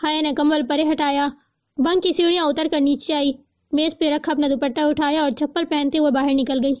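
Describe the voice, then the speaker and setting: A woman with a high voice reads a novel aloud in a calm, steady storytelling manner. The recording is dry and a little dull. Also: no echo. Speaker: audiobook narrator. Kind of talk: scripted novel narration.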